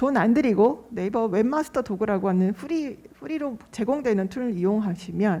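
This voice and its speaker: A woman's fairly high voice with lively intonation. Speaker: e-commerce team leader, keynote speaker. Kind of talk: conference keynote presentation. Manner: fast.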